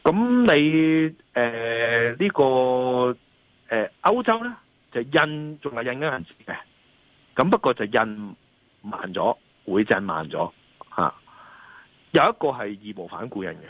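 A financial analyst and columnist with a Hong Kong accent joins an interview as a guest, commenting on the markets off the cuff. His mid-range voice is expressive and unhurried, with no room sound, heard over a dull, lo-fi remote line; he speaks emphatically and frequently uses rhetorical questions to seek agreement.

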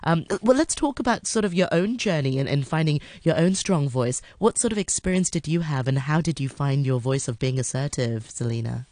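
A man hosts the interview, asking questions in a thoughtful, hesitant way with frequent restarts. His voice is fairly high for a man and sounds close and dry. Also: expressive, fairly quick, few pauses, darkish tone, no echo.

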